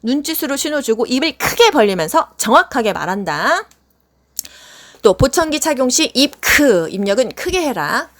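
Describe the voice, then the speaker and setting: A woman's voice: high-pitched, sing-song, normal speed, a bit bright. A woman giving a casual spoken exam-prep lecture, chatty, asking questions and answering them herself. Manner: chatty, asks and answers her own questions.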